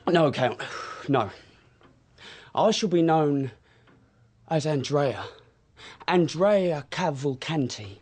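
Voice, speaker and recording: An actor playing a nervous, fawning young rogue who stammers and flatters, in a radio drama. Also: male voice, a little high, slow, long pauses. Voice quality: stammering, obsequious.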